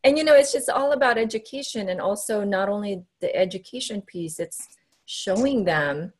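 A woman's voice: mid-range voice, lively intonation, normal speed. A middle-aged woman from the Philippines with a Filipino accent, chatting casually as a co-host and laughing easily. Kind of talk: casual podcast chat.

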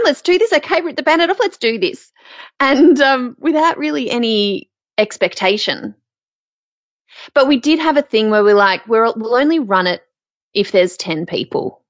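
A woman's voice: on the high side, no room sound, muffled recording. A woman co-hosting a podcast, with a frog in her throat, reflecting aloud with fillers. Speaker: podcast co-host. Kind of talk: casual podcast chat.

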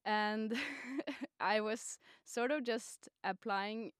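A woman's voice: fairly high pitch, drawn-out words, dry recording, clean studio sound. A twenty-year-old woman from Norway, a student guest on a podcast, chatty and prone to restarting words. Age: 20s. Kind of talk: casual podcast interview.

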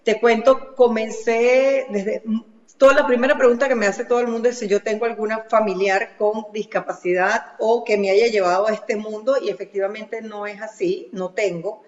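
A woman talks in a lively, chatty way as a guest specialist. Her voice comes through a dull remote line, and it echoes with a long room reverb. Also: a little high. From Venezuela. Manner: lively, chatty, quick to agree. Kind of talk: interview by remote link.

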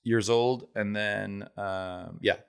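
A man's voice: on the low side, steady tone, slow pace, vocal fry, smooth. A man in his fifties, born in Rome with Italian as his first language, telling stories as a restaurant-owner guest. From Italy. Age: 50s. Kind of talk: casual interview storytelling.

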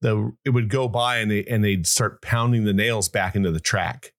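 A man's voice: fairly low pitch, steady tone, moderate pace. A man hosting a podcast in casual chat, rambling with many restarts and fillers. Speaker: podcast host.

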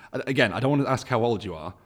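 A man's voice: mid-range voice, lively intonation, fast talker, big-room sound. A man hosting a casual interview podcast, chatty and rambling, with lots of restarts in his questions. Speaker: podcast host.

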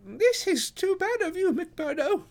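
A man voicing a fussy, helpless, genteel gentleman pleading in a Victorian storybook mystery. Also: extremely high pitch, big pitch swings, a little slow, pitched above the performer's own voice, exaggerated voice. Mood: fretful pleading. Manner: fretful, genteel.

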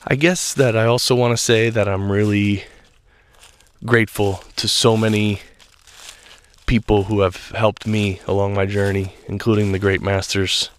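A man with a slightly low voice speaks earnestly and reflectively as the host of his own spiritual podcast. He is a little stuffed up, so he sounds faintly nasal. He talks while walking outdoors, with faint crinkling and clicks behind him. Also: slight background noise. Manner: earnest, reflective, loose talk with restarts. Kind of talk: solo spiritual podcast monologue. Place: walking outdoors in a state park.

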